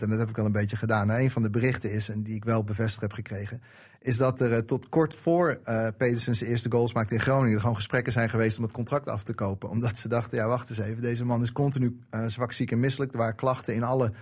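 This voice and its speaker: A man who wrote a book about a football club's season, chatting casually and telling stories with many fillers. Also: medium pitch. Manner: animated storytelling with frequent fillers. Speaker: book author guest.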